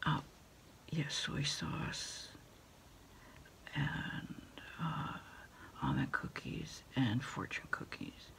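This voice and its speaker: A middle-aged woman in a quiet ASMR roleplay, speaking haltingly and hushed as she takes a takeout order over the phone. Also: very deep voice, huge pitch swings, gravelly. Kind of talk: ASMR roleplay, whispered one-sided phone conversation.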